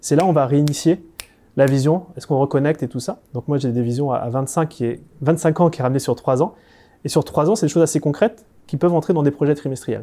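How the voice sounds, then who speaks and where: The recording is very clean, with a silent background. A man speaks in a fairly high pitch with a dark, mellow tone and ordinary pitch variation. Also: fairly quick pace. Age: 20s. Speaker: entrepreneur. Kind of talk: interview.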